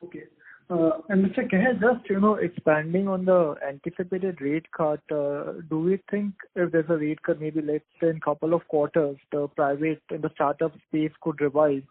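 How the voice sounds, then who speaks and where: Male analyst caller, slightly high pitch, courteous questioning, narrow-band telephone sound. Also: fairly even intonation, normal speed, no room sound. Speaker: investment analyst asking questions. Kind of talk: polite question on an earnings call. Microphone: phone. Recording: narrow tinny phone line.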